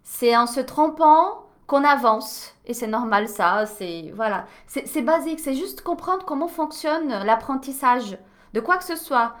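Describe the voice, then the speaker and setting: Encouraging woman with a higher voice. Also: lively intonation, a little slow. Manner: encouraging, reassuring. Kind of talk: casual conversation.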